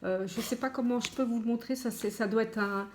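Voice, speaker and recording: A middle-aged woman chatting casually as she unboxes and admires craft gifts, talking softly and often dropping to a hush. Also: a little high, a little fast, slight background noise. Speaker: scrapbooking vlogger.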